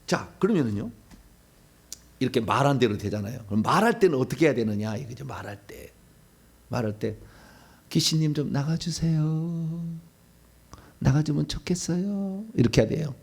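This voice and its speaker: Husky, animated male preacher. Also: medium pitch, fairly quick, long pauses. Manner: animated preaching, acting out demons' pleas and shouted commands. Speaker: pastor. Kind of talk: sermon.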